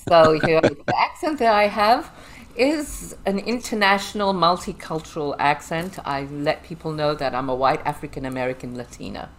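A woman's voice: low-pitched, moderate pace, slight background noise. A woman from Zimbabwe with a Zimbabwean accent, chatting animatedly as an interview guest. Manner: chatty and animated, laughs often. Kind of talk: casual interview chat.

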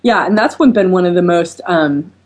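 A woman's voice: fairly low pitch, expressive, moderate pace. A woman co-hosting a talk show as an author, explaining things emphatically. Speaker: co-host and author. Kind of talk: casual chat.

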